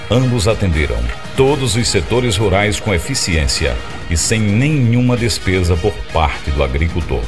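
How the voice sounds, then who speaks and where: A man reading a scripted ad voice-over with a lively announcing cadence. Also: sits low. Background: music.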